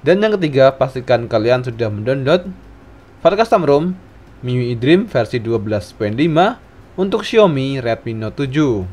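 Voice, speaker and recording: A man's voice: mid-range voice, very animated, normal speed, darkish tone. A man narrating a scripted tech tutorial, giving instructions phrase by phrase.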